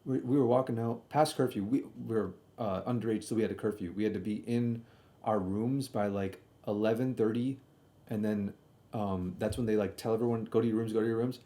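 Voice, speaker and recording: Young guy doing storytime on stream, mellow relaxed voice, slangy, kinda halting and repeats himself. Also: lowish voice. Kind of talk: casual rambling storytime commentary over old videos.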